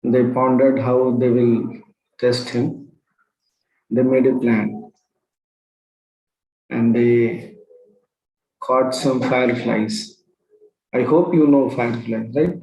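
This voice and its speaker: A man, a spiritual teacher telling a story to an online group, slow and pausing, often asking his listeners questions. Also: mid-range voice, fairly even intonation, darkish tone, dull audio. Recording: roomy echo.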